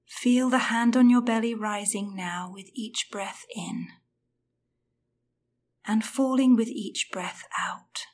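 A woman guiding a breathing meditation in a soft, soothing voice that often drops to a whisper. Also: on the high side, steady tone, slow. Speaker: meditation guide.

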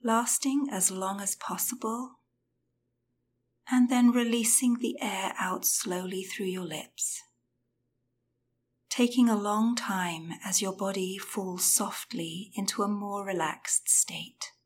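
A woman guiding a breathing meditation in a soft, soothing voice that often drops to a whisper. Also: medium pitch, steady tone, slow pace, a little hiss or hum. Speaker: meditation guide.

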